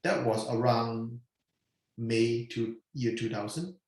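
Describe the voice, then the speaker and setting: A man's voice: medium pitch, darkish tone. Echoey Hong Kong-raised man recounting. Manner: halting, with frequent "okay" and "um" fillers. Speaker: guest. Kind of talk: interview storytelling. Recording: very echoey room.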